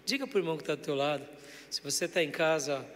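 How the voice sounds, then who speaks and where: Speaking fast in a fairly high, bright voice, a male pastor preaches a sermon to his congregation amid church hall reverb. He is emphatic, drawing out key words and addressing the listeners directly with questions.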